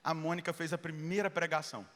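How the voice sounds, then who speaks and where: A middle-aged Brazilian man, a Catholic priest, preaching a sermon full of personal stories. He acts out dialogue and swings between loud and hushed speech. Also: on the high side, fairly even intonation, fast, in a large hall. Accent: Brazilian Portuguese.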